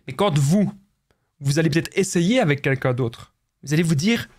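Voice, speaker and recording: Belgian coach, male, high voice; pushes the point, repeats himself, speaks to viewers as friends. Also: expressive, normal speed, darkish tone. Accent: Belgian French. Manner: emphatic, repetitive, addresses viewers as friends. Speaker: relationship coach. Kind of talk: direct-to-camera advice monologue.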